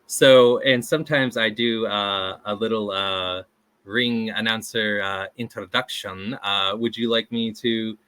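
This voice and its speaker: Casual male interviewer, unhurried and halting, bright close dry voice. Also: lowish voice, fairly even intonation, clean tone, no room sound. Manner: halting, many fillers, chuckling.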